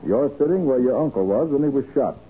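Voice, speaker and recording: An actor playing a shrewd, commanding American private detective in a 1940s radio drama, methodical and deliberate. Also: male voice, medium pitch, lively intonation, breathy edge, phone-quality sound. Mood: stern, accusing. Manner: assured, deliberate, interrogating. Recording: scratchy band-limited 1940s radio recording.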